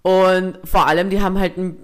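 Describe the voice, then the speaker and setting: A woman's voice: fairly low pitch, flat delivery, normal speed. A young woman with a Viennese Austrian accent, co-hosting a podcast. She tells a story in casual chat, swears freely, drops English slang and acts out both sides of the dialogue. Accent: Viennese Austrian German. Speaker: podcast co-host.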